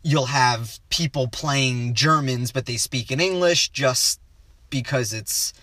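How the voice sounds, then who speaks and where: A man's voice: medium pitch, slow pace, sharp tone, no room sound, studio quality. A man co-hosting a casual film chat. He rambles, restarts his sentences and loses his train of thought. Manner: rambling, stops himself often and trails off.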